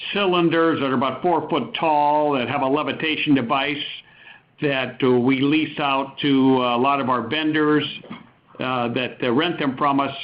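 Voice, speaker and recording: A male company executive gives unscripted business answers in a medium-pitched voice. He speaks haltingly, often pausing mid-sentence. The sound is dull and lo-fi, like a conference call.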